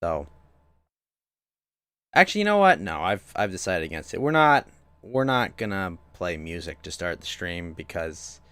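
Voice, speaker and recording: A man's voice: sits low, sing-song, moderate pace, a bit bright, clean tone, no room sound. A young man streaming games from home, chatting loosely with his chat, restarting sentences a lot. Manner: rambling, many restarts, talks to chat. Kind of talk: casual live-stream chat.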